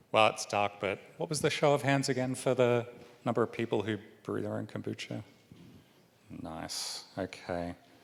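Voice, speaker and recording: A man with an Australian accent talks at a moderate pace, leaving long, frequent pauses. His pitch is medium, with ordinary variation. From Australia, Adelaide. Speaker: microbiologist, public science speaker. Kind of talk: public talk to a bar audience. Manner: casual, joking.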